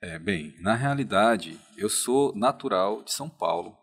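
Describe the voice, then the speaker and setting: A man's voice: fairly low pitch, lively intonation, a little slow, a bit bright, breathy edge. A man, answering as a guest professor in a podcast interview, hesitant and tagging his sentences with questions. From Piauí, Brazil. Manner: hesitant, frequent tag questions.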